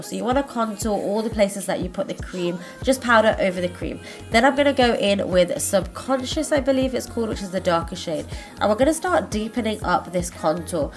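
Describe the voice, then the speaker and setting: A woman talks through each step of a tutorial at an ordinary pitch, her voice thick and stuffy from a cold. She sounds chatty and friendly and catches her own slips. Soft music plays faintly underneath. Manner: chatty, friendly, self-correcting. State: congested, stuffy-nosed from a cold. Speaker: makeup tutorial host. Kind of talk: casual step-by-step tutorial narration.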